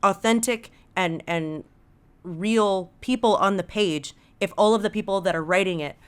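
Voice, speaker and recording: A woman's voice: mid-range voice, normal speed, smooth. A woman with an American accent talking casually and earnestly in an interview, often checking that the listener follows. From Los Angeles, United States. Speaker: podcast guest, audio drama writer. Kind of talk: casual conversational interview talk.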